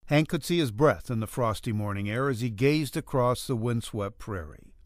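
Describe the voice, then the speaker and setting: A man reads a western tale in a mid-pitched voice. His narration moves up and down in pitch with plenty of variation. The recording is very dry, with no room around it. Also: lively intonation, normal speed, dry recording. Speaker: audiobook narrator. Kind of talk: scripted narration of a western story.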